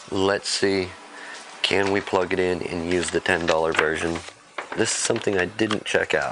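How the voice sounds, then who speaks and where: Moderately paced, a man speaks with a very deep, low pitch. His intonation is monotone and flat. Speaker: computer repair technician, live streamer. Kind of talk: live stream tutorial. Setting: workshop bench live stream. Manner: casual, halting.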